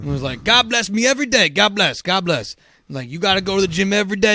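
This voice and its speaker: This man has a high, bright, sharp voice that swings very widely in pitch, with an animated tone. He talks very fast in a raised, projected voice. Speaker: podcast host. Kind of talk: casual chat.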